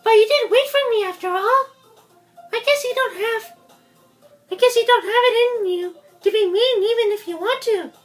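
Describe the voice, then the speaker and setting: Super high cheery clingy schoolgirl toy voice for a game dub, whiny and excitable, music behind. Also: moderate pace. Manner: pleading, excitable.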